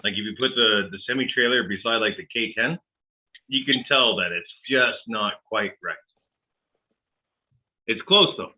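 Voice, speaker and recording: A rambling, self-deprecating man in his forties, from Canada, talking casually with a slightly low voice. His words come through a thin, tinny, phone-like line, and a dusty rasp sits in his throat. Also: measured pace, long pauses. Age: 40s. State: coughing, sore lungs from dust. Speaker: host. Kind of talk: casual chat. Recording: tinny phone-like call audio.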